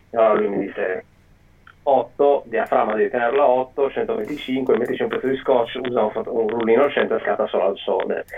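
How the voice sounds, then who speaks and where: This man keeps a moderate pace while noticeable background noise runs behind him. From Sardinia, Macomer. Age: 40s. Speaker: photographer. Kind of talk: interview. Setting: live stream. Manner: halting.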